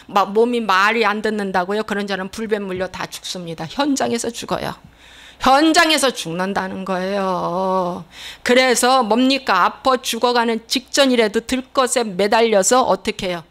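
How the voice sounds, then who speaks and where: A woman's voice: medium pitch, fairly bright tone. A middle-aged woman pastor preaching a sermon, pressing the listeners with repeated rhetorical questions.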